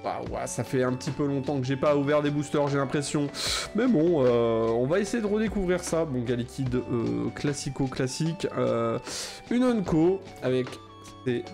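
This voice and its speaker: A man talks casually as he opens trading card packs. He rambles and fills his speech with hesitations and repeated words, at a middling pitch. Soft music plays faintly behind him. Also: lively intonation, normal speed, vocal fry. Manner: rambling, many fillers, repeats phrases. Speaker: Pokémon card opener. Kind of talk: casual pack-opening chat.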